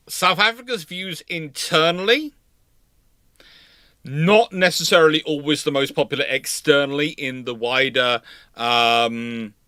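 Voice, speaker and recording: Bright-voiced man discussing history live. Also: on the high side, smooth, no room sound, studio quality. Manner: hesitant, self-correcting, emphatic repetition.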